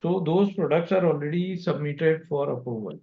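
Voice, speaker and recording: A man with an Indian accent answering investors as a company executive on a conference call, speaking haltingly with pauses mid-sentence. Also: fairly high pitch. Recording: dull, echoey conference call audio.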